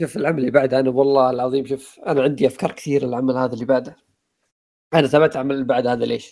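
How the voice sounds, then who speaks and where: The speech runs at a very fast pace, its tone dark and mellow and its intonation fairly even. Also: man, medium pitch for a man. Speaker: podcast co-host. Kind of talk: casual chat.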